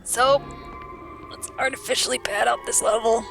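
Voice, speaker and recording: A woman's voice: fairly high pitch, fairly even intonation, moderate pace, vocal fry. A woman hosting a let's play, giving casual, wry commentary with some swearing as she plays. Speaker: let's play host, player. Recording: game music behind commentary.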